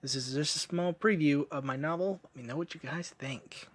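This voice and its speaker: A man introducing a preview of his own novel, speaking casually and halting with fillers. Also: fairly high pitch, slight background noise. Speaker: author.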